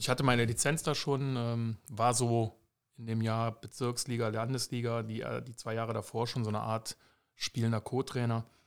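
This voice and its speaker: His pitch sits at a medium level for a man, and his intonation is monotone and flat. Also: moderate pace. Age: 40s. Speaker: amateur football coach. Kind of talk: casual interview. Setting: home studio. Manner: hesitant, many filler sounds.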